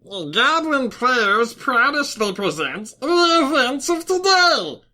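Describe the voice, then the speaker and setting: A woman's voice: high voice, very animated, slow pace, pushed and bright, full character voice. A woman playing a pompous, silly, melodramatic royal in a fantasy audio comedy, with a grand, hammy delivery. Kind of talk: audio drama comedy acting.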